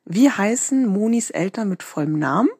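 A woman's voice: mid-range voice, lively intonation, normal speed, a little mellow, husky, no room sound, clean studio sound. A woman in her twenties sending a quiz question as a listener in a short recorded message. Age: 20s.

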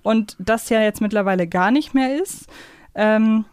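A woman's voice: medium pitch, unhurried, darkish tone, smooth, dry recording. A woman talking casually and reflectively as a podcast co-host. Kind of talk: casual podcast discussion of an audio drama series.

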